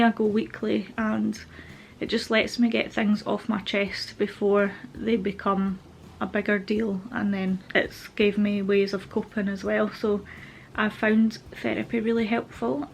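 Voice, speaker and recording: A woman's voice: a little high, creaky, a little hiss or hum, rough recording. A young woman giving a candid, meandering personal update to camera at home, a little stuffy-nosed from a cold. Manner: open, meandering, with frequent fillers. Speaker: vlogger. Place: at home, with pet rabbits nearby.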